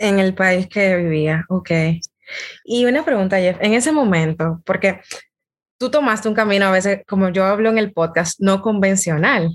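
A woman with an unremarkable speaking voice talks at medium pitch and a moderate pace, her loudness very even and her pitch variation ordinary. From Dominican Republic. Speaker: podcast host. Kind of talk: interview.

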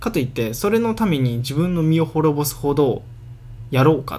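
His intonation rises and falls in a lively way. The male voice carries a somewhat breathy quality. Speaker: podcast co-host with girlfriend. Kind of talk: casual chat.

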